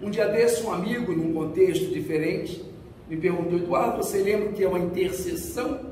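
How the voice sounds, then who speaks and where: Amid audible room echo and light background noise, a man with a high pitch speaks at a moderate pace with ordinary pitch variation. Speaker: lecturer. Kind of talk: spiritual lecture. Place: meeting room.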